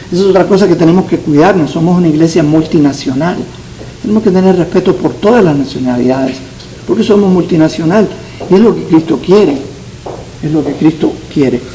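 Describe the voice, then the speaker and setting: A man's voice: fairly high pitch, mellow, slight background noise, low-quality recording. A man born in Cuba, a pastor teaching a Sunday school Bible class, earnest and repeating key phrases for emphasis.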